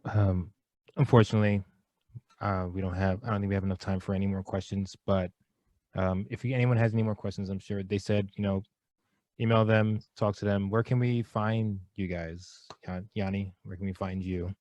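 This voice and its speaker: A moderator with a low voice runs an unscripted panel. The delivery is casual and somewhat hesitant, and the sound is close and dry. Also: steady tone, moderate pace, a little mellow, no room sound, highs cut off.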